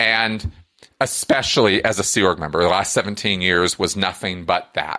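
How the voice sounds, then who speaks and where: Speaking at a moderate pace with an American accent, a man with a fairly low pitch and ordinary pitch variation sounds bright and sharp, his loudness very even. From California. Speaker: former cult member and author. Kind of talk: interview. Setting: video call.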